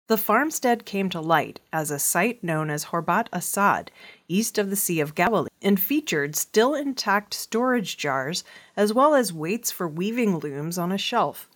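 A woman reading archaeology news stories in a steady, clear newsreader manner. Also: fairly low pitch. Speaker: news reader.

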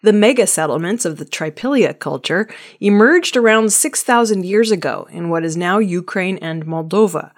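A woman reading archaeology news headlines and stories in a measured, scripted newsreading style. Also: fairly low pitch, expressive. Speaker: news reader.

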